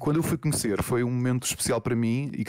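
The sound is dry and close, with no echo. A man talks very fast, his pitch varying in an ordinary way. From Portugal, Lisbon (Olivais). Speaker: games journalist and editor. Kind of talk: casual chat. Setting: live stream talk show.

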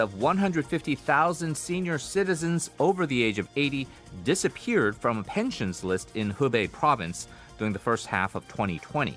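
A man speaks at a fairly quick pace with very wide pitch swings, his voice dry with no echo over faint background music. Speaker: radio host, news presenter. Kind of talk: radio news headlines. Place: studio.

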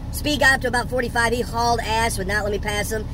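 Noticeable background noise and a dry sound with no echo. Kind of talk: casual vlog chat. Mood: irritated, complaining. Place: car. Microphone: phone near.

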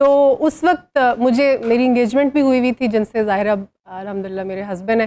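With a dark, mellow tone, a woman talks at a moderate pace in a fairly high pitch with ordinary pitch variation. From Vehari, southern Punjab, Pakistan; Punjab, Pakistan. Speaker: TV anchor and show host; TV anchor, show host. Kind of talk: talk show interview. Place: studio.

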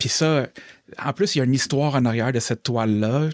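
A man's medium-pitched voice at a fairly quick pace, with fairly even intonation over a quiet background. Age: 40s. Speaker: painter; radio guest. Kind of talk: casual chat. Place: studio. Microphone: studio mic.

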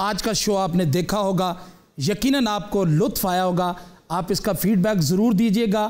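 Keeping his loudness very even, a man speaks very slowly at a high pitch. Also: ordinary pitch variation. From Pakistan. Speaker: comedian playing interviewer; TV show host. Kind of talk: comedy sketch. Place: studio. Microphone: lapel.

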